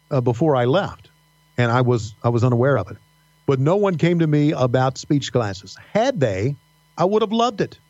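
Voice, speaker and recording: A middle-aged man with a faint Southern American accent, telling stories as a podcast guest, halting with many fillers and restarts. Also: mid-range voice, a little mellow, dry recording. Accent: slight Southern American. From Virginia mountains. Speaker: podcast guest, wrestling announcer. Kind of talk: casual interview storytelling. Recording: dull dry podcast audio.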